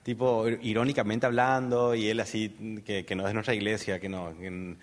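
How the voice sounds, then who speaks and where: A man's voice: lowish voice, little pitch movement, normal speed. A man with a Paraguayan Spanish accent, an interview guest giving a personal testimony in a rambling way, full of fillers and tag questions. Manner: rambling storyteller, many fillers and "¿verdad?" tags. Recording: long hall reverb.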